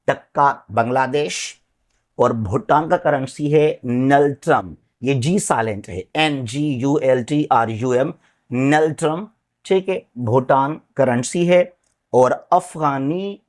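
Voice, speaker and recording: A man teaching a geography lesson, pointing along a map and repeating country and currency names, often checking in with his class. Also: mid-range voice. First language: Sindhi.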